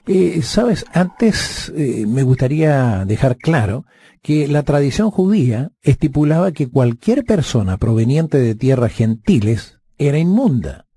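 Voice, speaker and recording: A man's voice: mid-range voice, very animated, unhurried, warm tone, breathy edge, no room sound, clean studio sound. A man in a conversational Bible lesson who reads scripture passages aloud and explains them. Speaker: Bible study guest teacher.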